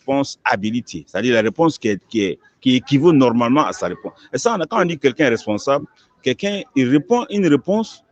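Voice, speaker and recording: Animated imam with a lively voice. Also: male voice, medium pitch, dry recording. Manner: emphatic, animated, repeats words as he builds a point. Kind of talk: interview answer, preaching. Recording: dull lo-fi recording.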